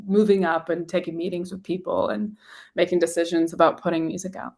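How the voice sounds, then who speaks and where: A woman's voice: on the low side, little pitch movement, brisk, creaky, darkish tone. A young adult woman, a singer-songwriter guest, chatting casually in an interview and using lots of "like" fillers. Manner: chatty, heavy use of "like" fillers.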